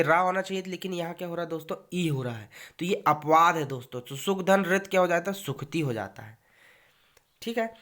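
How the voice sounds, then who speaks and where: A man teaching a grammar lesson as a recorded lecture, often calling his listeners friends, saying each example slowly twice and pausing on hesitation sounds. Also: fairly high pitch, fairly bright tone. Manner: frequent hesitation fillers.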